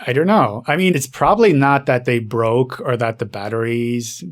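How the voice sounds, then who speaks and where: A man speaks as a podcast host in a casual discussion. His delivery is conversational and musing, with a mid-range male pitch. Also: moderate pace.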